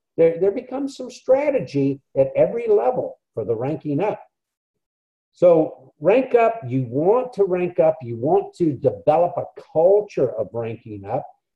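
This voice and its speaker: Pitch swings very widely as this speaker talks at a fairly slow pace with a Texan accent. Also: man, high pitch for a man. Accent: Texan American. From Texas. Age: 70s. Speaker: network marketing leader. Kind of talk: webinar talk.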